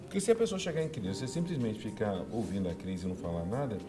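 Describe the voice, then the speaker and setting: A man's voice: lowish voice, big pitch swings, fast. A man, a pastor chatting on a TV talk show and promoting church services. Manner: upbeat promotional delivery with laughs. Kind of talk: casual talk-show chat and church announcements. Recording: music bed behind the voice.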